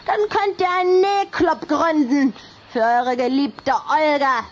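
A small vampire girl in a children's audio drama. Her voice is high, and her delivery is sarcastic and sharp-tongued with a jealous edge. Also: slow. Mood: mocking, jealous. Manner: sarcastic, teasing.

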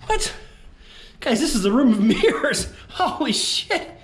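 An excitable man talks straight to his viewers as he wanders through an empty abandoned house. His voice sits fairly high. He's picked up by a handheld action camera, with a faint hiss underneath. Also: measured pace. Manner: excitable, keeps calling out to viewers. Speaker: urban explorer vlogger. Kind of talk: casual exploring vlog to camera.

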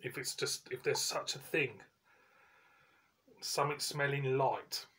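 Male reviewer, 40s, bright punchy voice, mid pitch, colloquial and casual. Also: fairly even intonation, breathy edge. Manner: informal, colloquial, pauses mid-sentence. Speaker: beer reviewer and host. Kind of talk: casual chatty video review. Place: indoors, living room at home.

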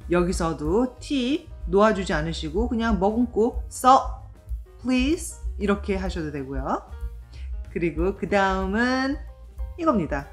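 A woman speech therapist giving a pronunciation lesson, slowly modeling words and explaining each sound. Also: medium pitch, expressive. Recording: faint background music.

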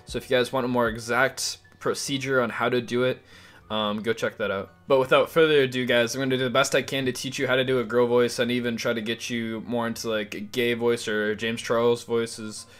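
A man's voice: medium pitch, flat delivery, a little fast, fairly bright tone, clear, resonant tone, soft background music. A man hosting a casual video tutorial, upbeat and talking straight to his viewers. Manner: chatty, upbeat, direct to viewers. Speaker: YouTube host.

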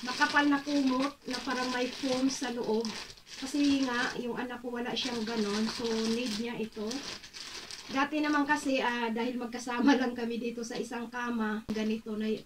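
A woman's voice: on the high side, noisy background. A middle-aged woman from the Philippines vlogging casually in her bedroom, chatting to viewers and mixing English words into her talk. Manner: chatty, addresses viewers as mamshi, mixes English into Tagalog. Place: bedroom at home, indoors. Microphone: camera across the room. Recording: voice a bit far from the mic.

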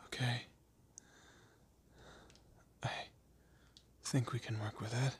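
A man playing a frightened, pleading captive of a vampire in an audio roleplay, stammering and often slipping into breathy whispers. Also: mid-range voice, flat delivery, takes it slowly. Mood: hesitant, nervous. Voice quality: breathy, husky. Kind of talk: amateur audio roleplay drama, one-sided dialogue.

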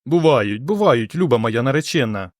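A man voicing a weak, dazed young astronaut who talks slowly and faintly in an audiobook. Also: mid-range voice, expressive, a little mellow, no echo, clean studio sound, natural voice. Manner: slow, faint.

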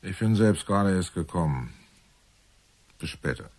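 An actor playing a stern, weary police inspector in a radio drama, questioning with blunt authority. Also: male voice, deep voice, expressive, measured pace, darkish tone, heavily acted. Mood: tired, matter-of-fact. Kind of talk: German radio drama acting.

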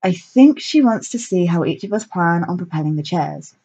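A woman voicing a calm, serious young male water fairy in a storybook reading. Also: on the low side, normal speed, slightly rough. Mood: thoughtful.

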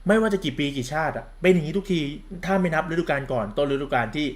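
A man's voice: on the high side, fast talker. A campy man gives a sarcastic, crude-mouthed football commentary rant, calling himself big sister. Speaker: football vlogger.

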